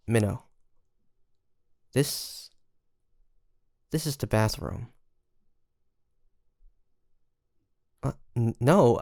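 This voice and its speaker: Slow, creaky, flirtatious pirate captain, acted out. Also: medium pitch, dry recording, clean studio sound. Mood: flustered, reluctant. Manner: halting, breathy sighs and soft laughs, teasing. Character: ambitious pirate captain, teasing, flirtatious and easily flustered. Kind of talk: intimate ASMR roleplay acting.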